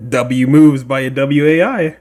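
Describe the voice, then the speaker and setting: Very low-voiced woman, slangy game commentary. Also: a little slow, darkish tone. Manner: slangy, informal, brief interjections. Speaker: gaming video commentator. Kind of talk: casual reaction commentary over a game. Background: game music.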